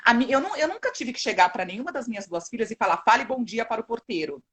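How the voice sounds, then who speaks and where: Husky Brazilian woman chatting earnestly. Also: fairly high pitch, very animated, fast talker, fairly bright tone. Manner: earnest, chatty, acts out quotes. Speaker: guest, parenting educator. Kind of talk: casual live chat.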